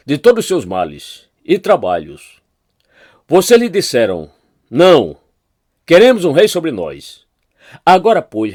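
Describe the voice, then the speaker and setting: A man's voice: medium pitch, a little mellow, husky, no echo, clean studio sound. A man with a Brazilian Portuguese accent, a pastor reading Bible chapters aloud and lifting his voice for quoted speech.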